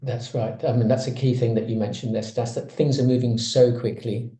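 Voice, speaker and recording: Mellow-voiced man on an echoey call. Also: mid-range voice, level tone, a little fast. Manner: conversational, explains with examples. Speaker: panelist. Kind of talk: webinar panel discussion.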